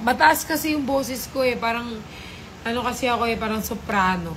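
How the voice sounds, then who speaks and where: A high-pitched woman at a moderate pace, with noticeable background noise and audible room echo. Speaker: livestreamer. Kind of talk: casual livestream chat.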